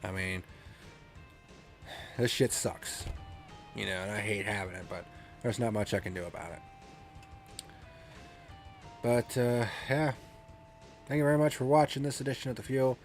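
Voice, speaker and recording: A man's voice: mid-range voice, normal speed, pauses often, soft background music. A man hosting a racing review show, talking casually with a blunt, profane, ranting manner, and sounding congested from a cold.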